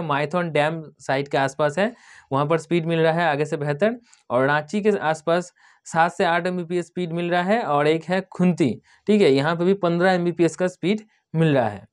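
A man from India hosting a tech channel, casually going through viewer comments, spelling out place names letter by letter and often repeating "okay". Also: on the high side.

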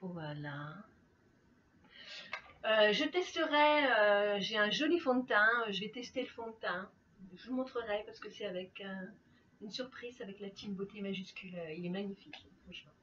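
In a faintly noisy, slightly dull home recording, a middle-aged beauty vlogger sounds tired as she does her makeup and talks casually with her viewers, often laughing and speaking straight to them. Her voice is mid-range and a bit bright, at a normal speed.

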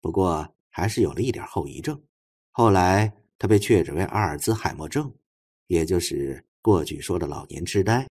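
An earnest, knowledgeable female investigator in an audiobook, read by a man with a husky voice. The delivery is explanatory and emphatic, with animated intonation. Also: low voice, normal speed, voice pushed down, full character voice. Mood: briskly reporting.

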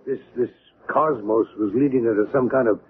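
An actor playing a blunt, impatient police detective in an old-time radio drama, talking in a colloquial way. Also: male voice, medium pitch, moderate pace, lightly acted. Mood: impatient, eager. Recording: tinny, noisy old radio recording.

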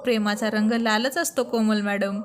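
A woman's voice: mid-range voice, fairly even intonation, moderate pace, close to an everyday voice. A woman voicing a playful, teasing young husband in a spoken storybook. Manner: playful, bantering. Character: young married man, teasing and romantic.

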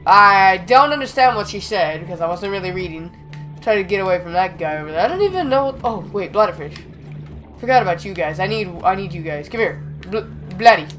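A young man with a slightly raspy voice from being sick, chatting excitedly as he plays and talks back to the game. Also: high-pitched, fairly quick, faint music behind. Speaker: gaming channel host. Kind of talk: casual gameplay commentary.

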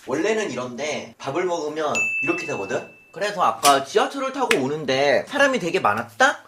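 A transgender woman telling a funny personal story in a casual vlog, animated, laughing often and acting out other people's lines. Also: low-pitched, a little hiss or hum. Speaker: vlogger.

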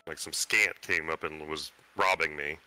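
A man's voice: rumbling low, fairly even intonation, normal speed, bright, forceful tone, no echo, poor audio. A man chatting casually as a tabletop game player, describing what his character does.

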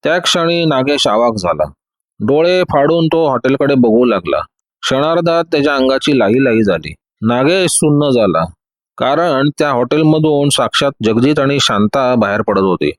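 A man narrating a dramatic story as an audiobook, voicing the characters' shouted lines himself. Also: mid-range voice, expressive, normal speed, dry recording.

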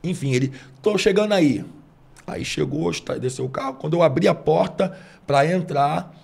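Gravelly, husky Carioca preacher man. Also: moderate pace. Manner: earnest, drops soft and low when moved. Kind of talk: podcast testimony storytelling.

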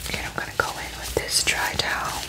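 A woman in her twenties whispering breathily in an ASMR personal attention roleplay, often softly repeating words. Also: fast talker, low-quality recording. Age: 20s. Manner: soft repetition of words. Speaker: ASMR roleplay host as facial therapist. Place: small indoor room.

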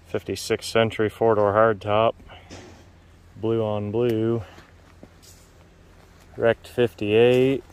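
Slow, smooth-voiced man touring outdoors. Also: on the low side. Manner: calm, matter-of-fact, unhurried remarks. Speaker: vlogger touring a car lot. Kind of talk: casual walk-around tour narration. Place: outdoors on a wooded car lot.

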